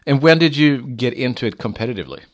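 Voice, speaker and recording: A man's voice: mid-range voice, animated, fast talker. A man with a Swedish accent who speaks Swedish natively, hosting an interview podcast and asking plain questions with some fillers. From Sweden. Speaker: podcast host.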